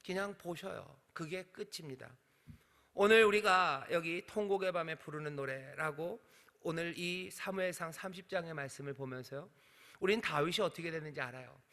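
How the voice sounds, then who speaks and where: A male senior pastor preaching a sermon with passion, using dramatic pauses and rhetorical questions. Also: on the high side, bright, forceful tone. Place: church sanctuary. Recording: reverberant church hall.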